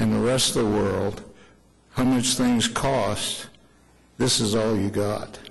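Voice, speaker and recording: Very slow, fairly even speech from a man, with audible room echo. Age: 70s. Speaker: retired firefighter speaking at public comment. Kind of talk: public comment at council meeting. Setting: city council chamber.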